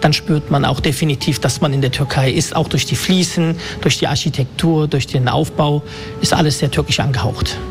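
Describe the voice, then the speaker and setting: A man's voice: a little high, fairly even intonation, a little fast, soft background music. A man from Germany, a resort manager, explaining things fluently with occasional hesitations in an interview. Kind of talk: interview answers. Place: holiday resort in Turkey.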